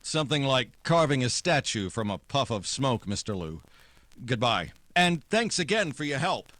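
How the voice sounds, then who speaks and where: An actor playing a hard-boiled American private detective in 1940s noir radio style, wry, clipped and dogged. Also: male voice, mid-range voice, sing-song, normal speed, fairly bright tone, dry recording. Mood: polite, probing. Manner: wry, clipped, tough-talking. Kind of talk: 1940s noir radio drama acting and narration.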